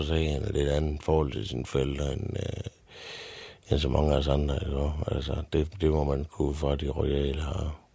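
A Danish man with a very low, gravelly voice retells a fairy tale as a bedtime story. He rambles, swears and restarts his sentences constantly. The sound is close and dry. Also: mellow, no echo. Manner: crude, swearing, full of fillers and restarts.

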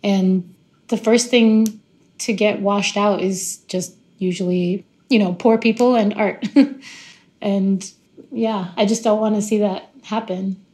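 Mellow-voiced woman born in Israel. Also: medium pitch, steady tone, slow pace. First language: Hebrew. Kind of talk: interview soundbite.

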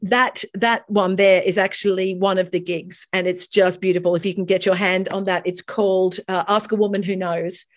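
A woman from Australia, a professional singer, telling stories in a casual interview with animated, chatty delivery. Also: fairly low pitch, moderate pace, hardly any pauses. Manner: chatty, animated storytelling with frequent restarts.

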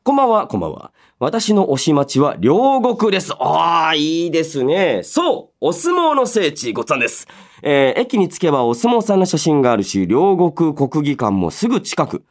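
A man in his thirties hosting a radio show, chatting casually and reacting as he goes, in an animated, talkative way. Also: on the high side, moderate pace. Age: 30s. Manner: animated, chatty, interjects own reactions while reading. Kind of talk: casual radio chat, reading listener mail and reacting.

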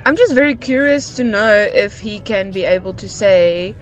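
A woman's voice: medium pitch, expressive, normal speed, lo-fi sound, faint music behind. A woman listener leaving a casual, slightly hesitant voice message for a radio show.

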